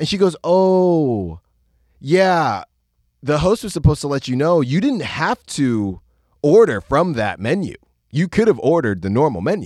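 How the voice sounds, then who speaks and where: Speaking with a Californian accent, a man holds a moderate pace, his fairly high pitch moving in very wide swings. The sound is dry and close with no echo, on a very clean recording with a silent background. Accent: American (California). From Northern California, Bay Area (Concord). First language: Spanish. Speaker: podcast host. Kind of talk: casual solo monologue. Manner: conversational, many fillers.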